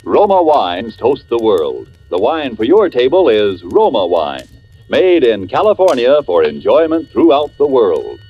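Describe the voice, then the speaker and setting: A man's voice: medium pitch, big pitch swings, unhurried, soft background music. A man reading a 1940s radio wine commercial in a polished announcer style. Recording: dull old radio broadcast.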